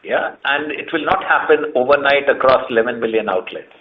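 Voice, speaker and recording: Speaking briskly at medium pitch, this Indian chief executive responds to earnings-call questions with emphasis, setting out each point in turn. His voice reaches listeners through a conference call line, sounding muffled and band-limited.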